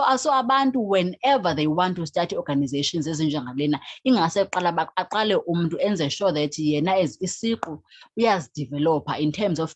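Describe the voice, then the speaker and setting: Speaking in a low, husky voice with no echo, a woman from South Africa's Eastern Cape is interviewed as a guest. She founded a youth organization, has a Xhosa accent, and shifts from one language to another.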